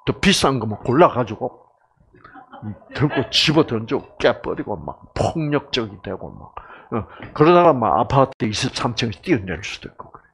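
A middle-aged man giving a lively seminar lecture with jokes. He keeps asking the audience questions and acts out voices and cries. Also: medium pitch, moderate pace, creaky, a little hiss or hum. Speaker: health lecturer.

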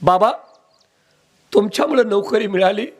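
Man doing a young son, emotional and pleading, voice raised high. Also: normal speed. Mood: grateful.

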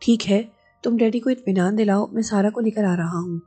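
A woman voicing a young husband, calm and reassuring, with gentle, steady dialogue reading. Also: medium pitch, a little fast, breathy edge, soft background music, lightly acted.

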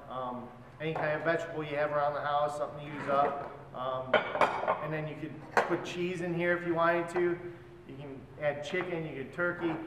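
A man in his forties, a chef teaching a cooking class and explaining each step as he works. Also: on the high side. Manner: relaxed, explains while working with his hands. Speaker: chef instructor. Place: large hotel function room, indoors. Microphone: far camera. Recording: echoey hall, voice from far off, loud background noise.

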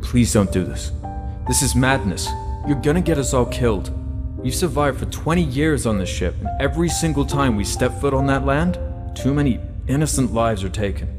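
A man's voice: medium pitch, animated, moderate pace, close to an everyday voice. An actor playing an anxious, morally troubled right-hand man in a game cutscene, speaking emphatically. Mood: pleading, bitter. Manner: pleading, incredulous, emphatic. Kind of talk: video game cutscene acting. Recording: reverberant hall, music behind.

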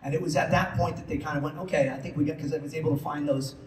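A man's voice: on the high side, fairly even intonation, very fast. A man on a convention panel telling playful anecdotes into a handheld mic, slipping into character voices. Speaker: voice actor panelist. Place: large convention hall. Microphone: handheld mic, filmed from the audience over the PA. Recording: echoey hall from far off with noise.

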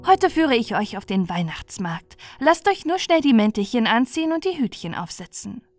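A woman voicing a kind, sensible aunt who talks to children in a gentle, instructive way, in a storybook. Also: fairly high pitch, big pitch swings, normal speed, faint music behind. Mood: cheerful.

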